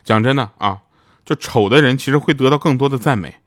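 A man's voice: medium pitch, fairly quick, no echo, clean studio sound. A man who voices radio dramas, telling funny stories in a casual, chatty monologue and laughing at his own punchlines. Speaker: radio drama voice actor promoting his show.

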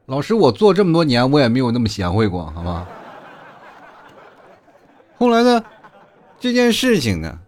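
A young man from Inner Mongolia, hosting a comedy podcast and telling funny school stories in a chatty, animated way, full of asides to listeners. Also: medium pitch, normal speed, long pauses. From Inner Mongolia, China. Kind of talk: comic storytelling monologue.

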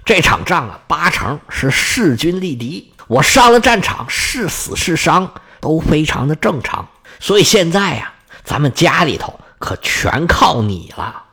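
A man's voice: a little high, a bit bright, husky, exaggerated voice. A man voicing a grave, caring warrior king giving earnest parting counsel.

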